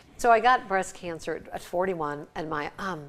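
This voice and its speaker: Noticeable background noise runs under a woman speaking in an American accent. Her pitch is fairly low and her intonation lively. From northeast Ohio. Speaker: author. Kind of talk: interview. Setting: studio. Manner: fast; animated.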